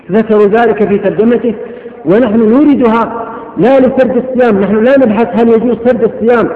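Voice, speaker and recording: A man preaching a sermon, fervent and rapid, reciting verse and quotations. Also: very high voice. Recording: echoey hall, tinny lo-fi recording.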